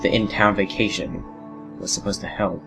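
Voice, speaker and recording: A man narrating a horror story in a dramatic scripted style, brooding and full of pauses. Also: deep voice, creaky. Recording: loud music bed under voice. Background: loud music.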